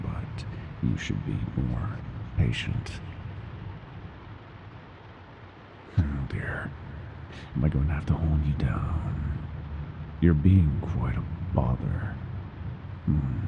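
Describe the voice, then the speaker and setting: A man's voice: big pitch swings, unhurried, noisy background, heavily acted. A man voicing a gleeful, predatory monster from under the bed in a horror ASMR roleplay, menacing and mockingly tender, savoring his words and slipping into whispers. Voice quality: very deep, gravelly creaking growl.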